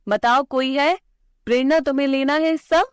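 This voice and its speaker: A caring schoolteacher, voiced by a woman who reassures her pupils gently. Her voice is high and clear, and the recording is close and dry. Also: fairly even intonation, moderate pace, no room sound, lightly acted. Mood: encouraging. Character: kind, patient female schoolteacher.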